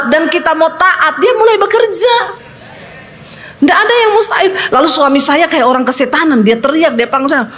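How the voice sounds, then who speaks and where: A middle-aged woman pastor, preaching a sermon and telling a story, acting out the voices in it. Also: a little hiss or hum. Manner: lively storytelling, acting out dialogue with pitch jumps.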